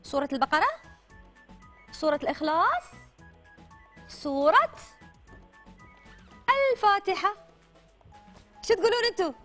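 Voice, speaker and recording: Kids' show hostess, female, Gulf Arabic accent, very animated, high voice, repeats short prompts. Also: measured pace, long pauses, faint music behind. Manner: prompts children with repeated short questions and phrases. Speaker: children's TV show host. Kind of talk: children's quiz show presenting. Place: colourful indoor TV studio children's set.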